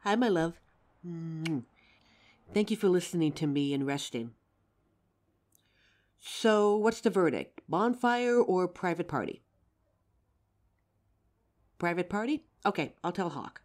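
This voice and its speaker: A woman's voice: on the low side, animated, slow pace, long pauses, a little mellow. A woman playing a tender, reassuring lover in an audio drama, speaking affectionately and soothingly.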